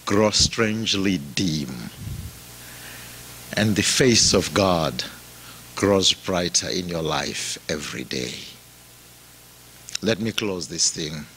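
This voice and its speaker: A man from Zimbabwe preaching a sermon in a slow, emphatic style, his voice rising and dropping for effect. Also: deep voice, fairly bright tone, slight background noise.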